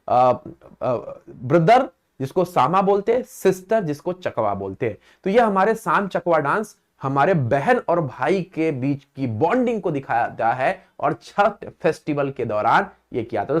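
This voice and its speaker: A teacher giving an exam-prep lecture, explaining step by step, checking in with listeners and naming items one at a time. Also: medium pitch. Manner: explains step by step, often adds the tag "है ना"; lists place names one by one in a slow, stressed way.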